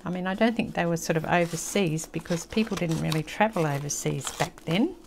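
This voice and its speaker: A woman's voice: on the low side, a little fast, vocal fry, background noise. An older woman with an Australian accent, chatting casually and reminiscing as she hosts a craft tutorial at a table. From country New South Wales, Australia. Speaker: craft channel host.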